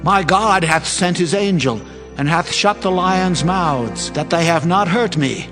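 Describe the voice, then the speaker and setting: Faithful prophet, solemn declamation, slightly high male voice, scripture audio drama, faint music behind. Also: unhurried. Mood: reverent relief. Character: faithful Hebrew prophet, reverent and earnest.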